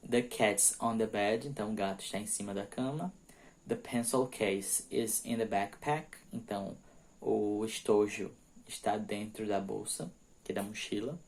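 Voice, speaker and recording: A man teaching English prepositions, reading example sentences slowly and explaining them quickly, often checking in with "ok?". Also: lowish voice, a little mellow. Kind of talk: bilingual grammar lesson.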